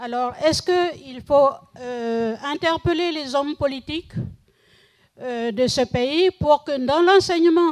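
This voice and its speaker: This woman's voice sits high in pitch with ordinary variation. She speaks at a very slow pace. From New Caledonia (Kanak). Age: 70s. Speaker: audience member. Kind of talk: question and answer at a public lecture. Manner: halting, many hesitations.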